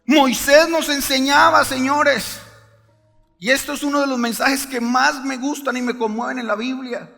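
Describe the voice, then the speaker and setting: High, gravelly pastor preaching. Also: male voice, steady tone, normal speed, sharp tone. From Colombia. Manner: emphatic preaching, calls for amens. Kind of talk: sermon. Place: church sanctuary. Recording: reverberant church hall with faint music.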